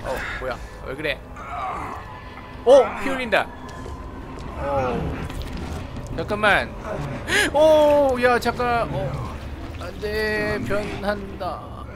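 High-pitched, animated man doing game commentary. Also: very slow, pauses often, heavy background noise. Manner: playful, exclamatory, talks back at game characters. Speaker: gaming video host. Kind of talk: casual live game commentary. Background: video game sound.

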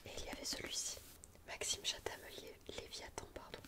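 Young woman, French accent, soft library whisper, breathy, ASMR host, close mic, indoors. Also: fairly quick. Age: young adult. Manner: hushed, breathy whisper throughout. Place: quiet indoor room. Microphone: close studio mic with furry windscreen.

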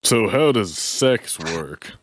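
Male comedy podcast co-host, slow halting character reads, low voice, very unhurried. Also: lively intonation, slight background noise. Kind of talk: comedic reading of fan fiction.

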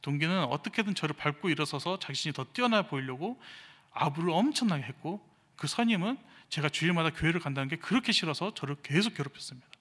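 A young man, an evangelist, giving a sermon with a personal testimony, telling his story with animated delivery and acting out the speech of others, recorded in a church sanctuary. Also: on the high side, fast talker, slightly rough. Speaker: evangelist preaching. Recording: reverberant church hall.

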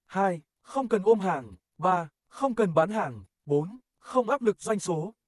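Giọng nam cao, khô, đọc quảng cáo. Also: male voice, high voice, expressive, takes it slowly, dry recording, clean studio sound. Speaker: advertisement narrator. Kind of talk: scripted promotional narration.

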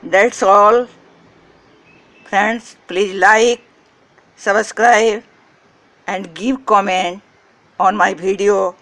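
A woman whose first language is Hindi walks through a gardening recipe one short phrase at a time. She speaks at a very slow, deliberate pace with a mid-range voice and plain, clipped wording. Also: medium pitch, fairly even intonation, fairly bright tone. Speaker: gardening channel host. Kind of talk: step-by-step how-to narration.

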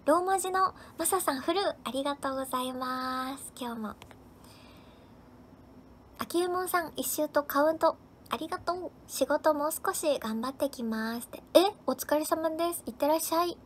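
High-voiced woman live-streamer thanking viewers. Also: normal speed, a little hiss or hum. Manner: cheerful, thanks viewers by name one after another. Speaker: livestream host. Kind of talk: casual live-stream chat reading viewer comments.

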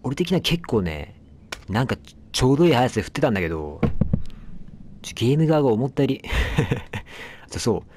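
A man's voice: medium pitch, big pitch swings, brisk. A man giving casual let's play commentary, chatting to the game and its characters as he plays. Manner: chatty, talks back at the game, apologizes for noise.

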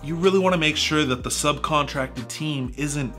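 A man's voice: a little high, moderate pace, soft background music. A man in his thirties, a home renovation vlogger, giving jokey scripted advice to camera from a small home studio. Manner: animated, jokey, gestures widely with his hands.

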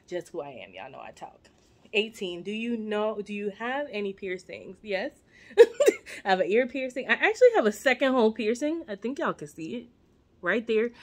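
A woman in her forties, born in Jamaica and raised in the United States, chatting at home to the camera in a rambling, playful way with asides to her viewers. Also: mid-range voice. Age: 40s. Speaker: vlogger. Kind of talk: casual chat to camera. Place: living room at home. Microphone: camera at arm's length.

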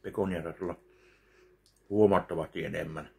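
A man with a very low voice full of gravelly fry talks slowly and dryly between bites. He sounds close to the mic, in a small home kitchen. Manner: slow, deadpan, pauses between bites. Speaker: food vlogger. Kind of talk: casual eating review. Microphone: webcam at close range.

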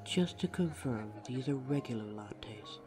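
A man's voice: medium pitch, expressive, unhurried, darkish tone, close to an everyday voice. A man playing a courteous but snide vampire barista in an audio roleplay, polite, dry and teasing. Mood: wry, courteous. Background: music behind the voice.

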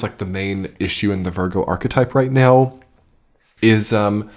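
A man with a slightly scratchy voice from a cold, giving a casual, rambling monthly astrology forecast with many fillers. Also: fairly low pitch. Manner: rambling, filler-heavy, reflective. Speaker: astrology reader.

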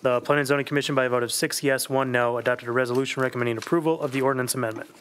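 A man serving as city clerk, rapidly reading vote tallies and ordinance titles in a flat manner at a desk microphone in a council chamber. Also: medium pitch, slight background noise.

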